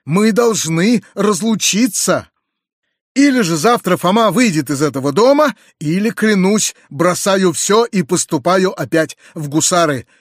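A man voicing an excitable, kind-hearted middle-aged landowner who talks in agitated exclamations. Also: high-pitched, a little slow, dry recording, studio quality, voice pushed up. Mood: resolute. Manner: agitated, exclamatory, rising to shouts. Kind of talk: audiobook character reading.

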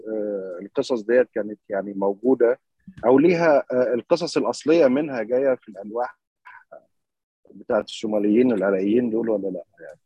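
A man's voice: on the low side, fast talker, mellow, breathy edge, no echo. A man with an Egyptian accent calling in to ask several rambling questions over a muffled online connection. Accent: Egyptian Arabic. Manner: rambling, many fillers. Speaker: caller. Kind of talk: call-in questions.

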